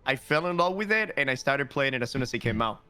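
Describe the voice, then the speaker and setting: A man from Cuba co-hosting a podcast, telling stories in an animated, casual way. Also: mid-range voice, fast talker, clean tone. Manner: animated, informal storytelling. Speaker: podcast co-host.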